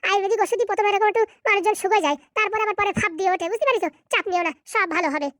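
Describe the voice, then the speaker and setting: A performer playing a boastful village quack doctor in a cartoon comedy. He talks in smooth, smug patter at a hurried pace, in a very high, squeaky cartoon voice. The recording is close and dry. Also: fairly bright tone, no echo. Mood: reassuring.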